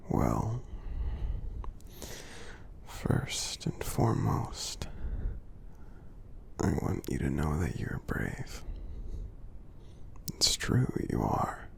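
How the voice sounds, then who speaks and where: A man voicing a friendly, kindly giant in an ASMR roleplay, speaking softly and breathily with a gravelly edge, in a tender, halting, encouraging way. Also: rumbling low, wildly swooping pitch, heavily acted. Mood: gentle, reassuring. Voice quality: soft, breathy, half-whispered, gravelly. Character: gentle friendly male giant, kindly and reassuring.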